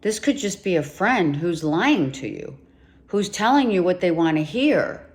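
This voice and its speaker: A low-pitched woman speaks slowly and deliberately as she lays out a tarot reading for her viewers. She repeats key points for emphasis and addresses the listener directly. Her voice is wearing thin and turning hoarse. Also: big pitch swings, darkish tone. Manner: emphatic, repeats herself, talks straight to the viewer. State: losing her voice, coughing. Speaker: tarot reader.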